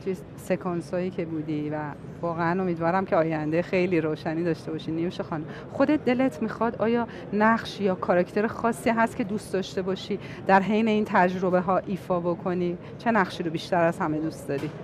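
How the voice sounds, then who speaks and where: A woman's voice: on the low side, steady tone, hardly any pauses, noisy background. A woman hosting a TV interview, asking long, carefully phrased questions and giving encouraging replies. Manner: articulate, long winding questions, warm affirmations. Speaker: interviewer host.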